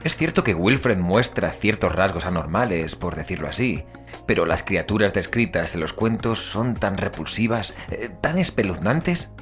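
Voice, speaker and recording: An actor playing a jittery, irreverent young investigator who grumbles expressively in an audio drama. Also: male voice, low-pitched, expressive, moderate pace, faint music behind. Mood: uneasy musing.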